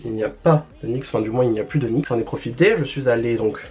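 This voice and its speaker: A man's voice: medium pitch, fast, a little mellow, husky. A young man chatting casually through a makeup routine at home, rambling with many fillers and restarts and poking fun at himself. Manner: self-mocking, laughs at himself. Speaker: beauty vlogger. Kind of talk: casual get-ready-with-me chat.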